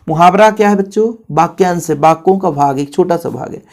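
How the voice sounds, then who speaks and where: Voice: medium pitch, fairly quick. Casual coaching-class teacher who drills exam answers, speaks straight to the students and repeats each point for emphasis. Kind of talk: exam-prep grammar lesson.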